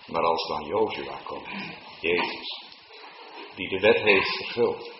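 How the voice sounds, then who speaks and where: A man preaching a sermon to his congregation in church, now and then rising into loud, high, drawn-out calls. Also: roomy sound, dull audio, noisy background. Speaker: pastor.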